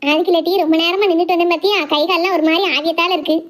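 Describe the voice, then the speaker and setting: A woman's voice: very high-pitched, fairly even intonation, very fast. A woman voicing a tired, affectionate, grumbling village mother in a cartoon, chattering in a Tirunelveli Tamil accent. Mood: tired, complaining. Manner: colloquial, chattering, complaining. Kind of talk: homemade cartoon family drama.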